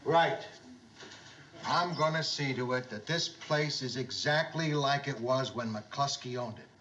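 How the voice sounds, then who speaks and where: An actor playing a gruff middle-aged bar owner who forces himself into hearty, pushy cheer and repeats his greetings, in 1970s sitcom style. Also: mid-range voice, a little slow, sharp tone, muffled recording. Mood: forced cheer. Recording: noisy old TV soundtrack.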